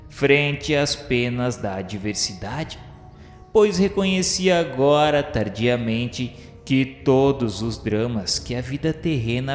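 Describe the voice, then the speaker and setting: A Brazilian man giving a solemn, emphatic and theatrical narration of a literary radio drama. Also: medium pitch. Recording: echoey reverberant hall sound with music. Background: music.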